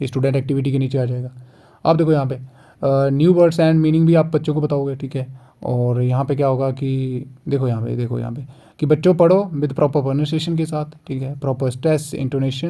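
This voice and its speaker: A young man explaining a lesson plan in a casual teaching walkthrough, often checking in with students and slowly reading out written lines. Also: fairly high pitch, mellow. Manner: repeats checks like "theek hai", reads written lines slowly. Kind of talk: casual teaching walkthrough, mixing Hindi and English.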